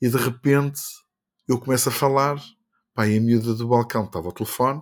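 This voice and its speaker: This man speaks at a moderate pace with a European Portuguese accent, medium pitch and ordinary pitch variation. The recording is very clean, with a silent background. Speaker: voice actor and dubbing director. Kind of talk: casual chat.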